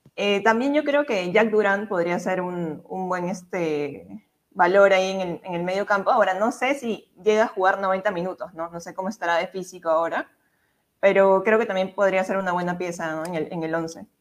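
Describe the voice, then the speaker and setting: A woman with a plain, everyday voice speaks at medium pitch. Her pace is moderate and her pitch varies in an ordinary way. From Lima, Peru. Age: 20s. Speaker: medical student and football panelist. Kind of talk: casual chat.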